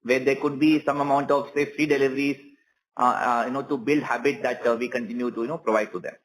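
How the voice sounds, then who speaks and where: A man with an Indian accent answering questions as a company executive on an earnings call, in measured corporate wording. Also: medium pitch, fairly even intonation, rough recording.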